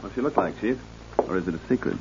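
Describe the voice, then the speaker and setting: A man's voice: sits low, lively intonation, fast talker. An actor playing an eager, wry male government agent and assistant in a 1950s radio drama, matter-of-fact and deferential. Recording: muffled, noisy 1950s radio recording.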